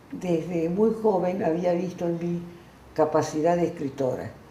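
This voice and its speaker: A woman speaks at a fairly low pitch and a fairly slow pace, with ordinary pitch variation. Audible room echo and noticeable background noise come through. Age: 90s. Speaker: writer. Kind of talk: interview.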